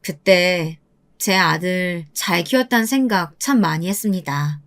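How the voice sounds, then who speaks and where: A woman in her seventies calmly recounting her own hard life in scripted first-person narration. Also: on the low side, moderate pace. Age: 70s. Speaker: storyteller.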